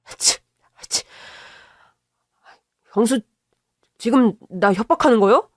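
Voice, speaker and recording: A rude, hot-tempered brother-in-law who snaps back and dodges every question in a radio story, as a woman reads him. The voice sits a bit high and sounds dry and close. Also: lively intonation, slow pace, dry recording. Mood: defensive shouting. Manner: rude, snapping, defensive.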